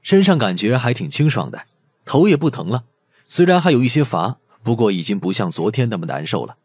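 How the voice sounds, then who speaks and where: A man's voice: mid-range voice, sing-song, fairly quick, darkish tone, slightly rough, no echo. A man reading a novel aloud as a dramatic audiobook narrator.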